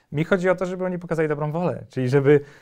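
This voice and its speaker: A man is speaking. The background is quiet. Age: 30s. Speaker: finance blogger. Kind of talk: podcast interview. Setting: studio. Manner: hesitant fillers. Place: studio. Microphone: lapel.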